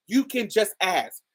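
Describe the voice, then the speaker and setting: Deep-voiced woman, chatty and emphatic. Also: slightly rough. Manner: emphatic, chatty, addresses viewers directly. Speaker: host. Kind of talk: casual commentary to camera.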